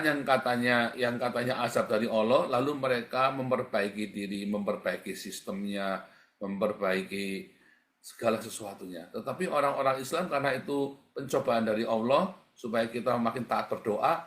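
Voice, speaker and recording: Male pastor, mid pitch, plain-spoken livestream preacher, casual and blunt, echoey room. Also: steady tone, normal speed, fairly bright tone. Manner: conversational preaching, often addressing listeners as brothers and sisters; colloquial and blunt. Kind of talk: livestreamed sermon.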